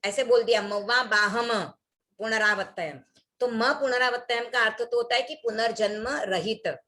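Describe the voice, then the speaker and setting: A woman's voice: fairly high pitch, steady tone, moderate pace, a bit bright. A woman teaching an online religious workshop, explaining recitation mistakes and reciting scripture passages as examples.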